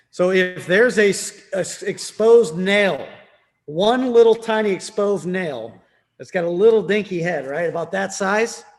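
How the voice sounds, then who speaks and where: A man leading a sales training session, quizzing his listeners and tagging points with "right?". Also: high-pitched. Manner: quizzing the room with frequent "right?".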